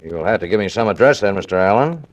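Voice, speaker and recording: A man's voice: fairly low pitch, animated, fast, muffled recording, close to an everyday voice. A man playing a clipped police lieutenant. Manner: clipped, official. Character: brisk, formal police lieutenant. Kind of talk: 1940s radio acting.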